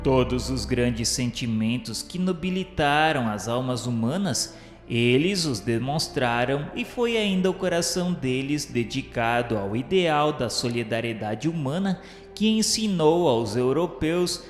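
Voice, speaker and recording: A man's voice: medium pitch, animated, measured pace. A man with a Brazilian accent narrating a radio drama from a script in a solemn, formal, declamatory way. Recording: echoey long reverb, music underneath. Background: music.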